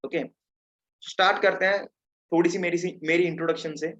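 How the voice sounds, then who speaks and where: A man's voice: high-pitched, steady tone, brisk, fairly bright tone, lo-fi sound. A teenage man from Punjab giving an interactive online lesson over a video call, chatty and often checking in with his listeners. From Punjab, India. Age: teens. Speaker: webinar presenter.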